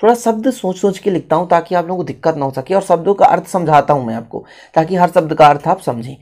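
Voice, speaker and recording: A man's voice: a little high, animated, quick pace, darkish tone. An Indian man teaching a writing lesson step by step, repeating phrases and switching languages as he explains each one.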